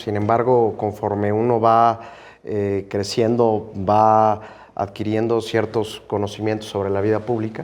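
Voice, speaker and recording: An ordinary speaking voice talks at a fairly slow pace. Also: man. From Mexico, Aguascalientes. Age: 30s. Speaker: government spokesperson. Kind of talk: interview.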